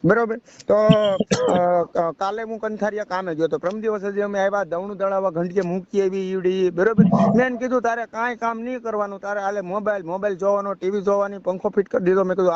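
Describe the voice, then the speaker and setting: Over a dull, lo-fi phone line with no echo, a young Gujarati caller with a rural Saurashtra accent tells a rambling personal story while seeking advice. His voice sits high and is a little mellow, and he keeps checking that the listener is following.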